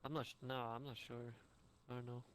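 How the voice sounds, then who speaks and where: A man's voice: mid-range voice, level tone, a little fast, a bit bright, a little hiss or hum. A man talking on a voice call as a player, hesitant and unsure, with many fillers. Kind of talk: casual chat on a voice call.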